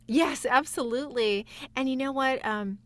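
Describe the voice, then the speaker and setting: A woman's voice: high-pitched, moderate pace, fairly bright tone, no room sound. A woman talking casually and reflectively as a guest, offering encouragement. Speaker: guest voice actor and playwright. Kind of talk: casual chat with encouraging advice.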